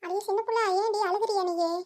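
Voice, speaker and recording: A jumpy, frightened young village wife. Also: female voice, extremely high pitch, steady tone, fast talker, dark tone, a little hiss or hum. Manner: anxious, exclaims often.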